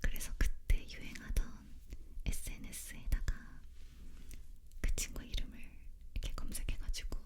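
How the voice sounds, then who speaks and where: A woman leaning in to whisper an ASMR story in a breathy, unvoiced voice, very close to the microphone. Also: moderate pace, long pauses. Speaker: ASMR creator telling a personal story.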